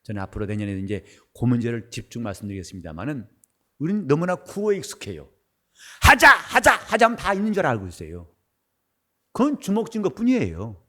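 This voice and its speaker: A middle-aged man preaching a sermon as pastor, his voice husky and worn, switching between loud bursts and quiet asides. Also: mid-range voice, wildly swooping pitch, fairly quick. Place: church sanctuary.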